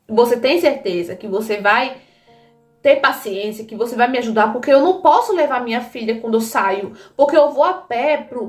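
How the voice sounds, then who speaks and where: Emotional woman storyteller over soft music. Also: fairly high pitch. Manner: emotional, addresses listeners as "gente". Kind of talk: dramatized first-person storytelling.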